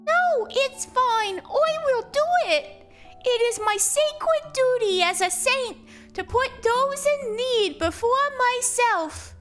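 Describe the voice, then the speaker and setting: A very high, prim little girl saint. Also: expressive, slow, a bit bright, faint music behind, exaggerated voice. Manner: prim, formal, pious speech. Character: solemn six-year-old girl saint, eerie.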